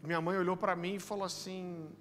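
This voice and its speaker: A man in his thirties with a Brazilian accent from Curitiba, preaching a sermon and telling a personal testimony in an animated storytelling way. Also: high voice, fairly quick, big-room sound. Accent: Brazilian Portuguese, Curitiba. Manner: animated storytelling, addresses listeners as brother. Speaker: pastor. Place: church auditorium.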